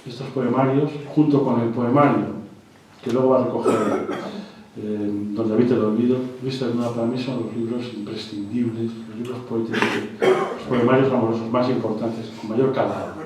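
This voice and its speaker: A man lecturing on poetry with a mellow, dark voice, stopping and restarting often as he goes. He sounds far from the mic, and the hall rings with heavy echo. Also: mid-range voice, steady tone, normal speed, slight background noise. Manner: hesitant, with repeated words and restarts. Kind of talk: live literary lecture.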